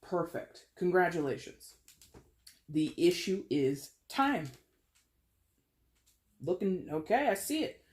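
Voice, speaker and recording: A woman with a fairly deep voice giving a casual, animated tarot reading, often trailing off mid-phrase. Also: slow, long pauses. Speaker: tarot reader.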